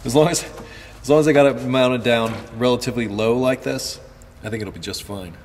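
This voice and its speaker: This is a brisk, mid-range male voice, relaxed and casual as he shows a car repair one step at a time. He keeps talking while working with his hands on the parts. Faint background noise sits under a long reverb.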